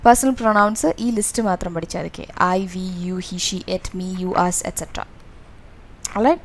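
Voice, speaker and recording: A woman's voice: medium pitch, slow pace. A woman with a Malayali accent coaching students through exam revision, explaining in a mix of Malayalam and English with many fillers. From Kerala, India.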